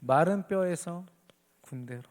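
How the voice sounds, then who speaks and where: A man's voice: fairly high pitch, measured pace, big-room sound. A man preaching an earnest sermon as pastor at a midweek church service, lifting his voice on key phrases.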